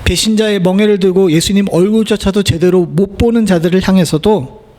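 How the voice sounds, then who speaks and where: Male pastor, middle-aged, high-pitched, conversational sermon full of questions to the pews. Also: fairly quick, a little mellow, slight background noise. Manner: conversational preaching with rhetorical questions to the congregation. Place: church sanctuary.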